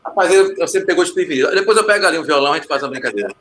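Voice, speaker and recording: This man, a composer, musician and producer appearing as a guest, speaks with a Pernambuco northeastern Brazilian Portuguese accent in a casual interview chat, searching for words as he goes. His voice is fairly high and fairly bright, with lively intonation and a racing pace. Faint background noise runs underneath.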